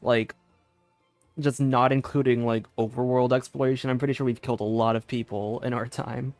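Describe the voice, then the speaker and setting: A woman's voice: rumbling low, fairly even intonation, moderate pace, a little mellow, dry recording, soft background music. Dry, casual young woman streaming a game. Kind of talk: casual live gameplay commentary.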